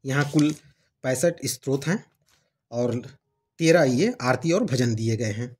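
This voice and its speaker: Man, channel host, husky voice, middle pitch, casual book review, explanatory. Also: measured pace. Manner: explanatory, conversational, reads passages aloud.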